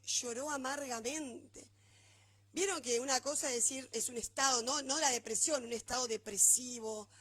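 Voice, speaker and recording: A woman pastor with a Rioplatense Spanish accent, preaching a conversational sermon and often checking in with the congregation. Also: a little high.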